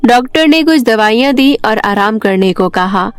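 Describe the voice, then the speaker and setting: A woman giving scripted narration for an animated bedtime story, telling it in a steady manner. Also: a little high, measured pace, soft background music.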